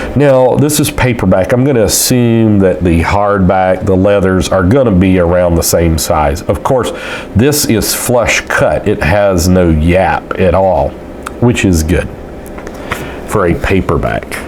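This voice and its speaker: A man with a very deep, low voice and an American accent speaks with lively intonation and very even loudness. Room echo is audible, and there is noticeable background noise. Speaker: pastor. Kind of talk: product review. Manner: casual, rambling with fillers.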